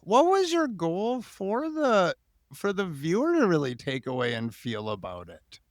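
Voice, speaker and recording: Animated American man hosting, higher-pitched voice. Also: a little slow, no room sound, clean studio sound. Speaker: podcast host, interviewer. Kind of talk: casual chat, interview.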